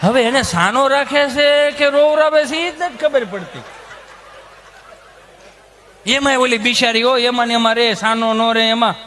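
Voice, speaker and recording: A male stand-up comedian with a Kathiawadi Gujarati accent, storytelling with lots of animation. His voice is very high and bright, with a sharp edge. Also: moderate pace, a little hiss or hum. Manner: animated, mimicking people in his stories.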